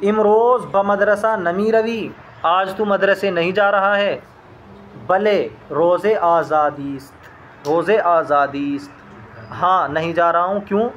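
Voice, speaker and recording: Slow, high-voiced man teaching phrases. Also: fairly bright tone, a little hiss or hum. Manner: slow, repeats each phrase and translates it word by word. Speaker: language teacher. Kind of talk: recorded language lesson.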